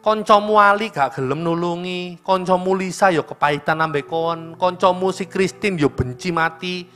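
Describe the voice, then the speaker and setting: A male pastor with an East Javanese accent voicing God in a sermon story, calm and explaining. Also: high voice, normal speed, faint music behind.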